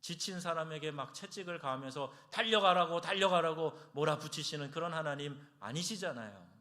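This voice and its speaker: Korean pastor preaching, higher-pitched voice. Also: male voice, brisk. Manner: acts out quoted prayers and voices with strong swings in pitch and loudness. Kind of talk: sermon. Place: church sanctuary.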